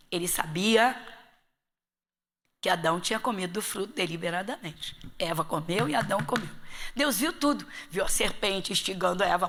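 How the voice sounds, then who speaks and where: A woman's voice: medium pitch, pushed and bright. A woman pastor from Rio de Janeiro teaching a Bible study class, with an emphatic style full of rhetorical questions to her listeners. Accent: Rio de Janeiro Portuguese. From Brazil.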